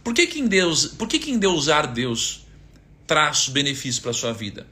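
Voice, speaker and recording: On a live stream, a Brazilian man in his thirties with a Brazilian Portuguese accent gives a casual teaching talk on faith and money, speaking as a finance speaker. He stays conversational, asking rhetorical questions and quoting scripture. His fairly high voice swoops wildly in pitch, moderately paced, bright and forceful.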